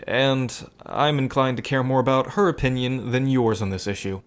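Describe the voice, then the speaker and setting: A man's voice: medium pitch, fairly even intonation, normal speed, natural voice. A man playing a devoted, playful ally in a romantic audio drama, with an affectionate, casual and teasing manner. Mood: playful, flirty. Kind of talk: scripted romantic audio roleplay spoken to the listener.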